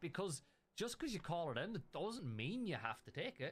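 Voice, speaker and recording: A man with an Irish accent speaks at a moderate pace. His high pitch swings very widely. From Ireland. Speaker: esports caster. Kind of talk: live commentary.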